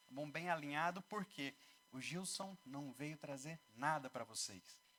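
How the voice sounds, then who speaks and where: The pace is fairly slow. Intonation rises and falls in a lively way. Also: man. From Brazil, Mato Grosso do Sul (Campo Grande). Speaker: preacher. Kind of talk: sermon. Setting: church.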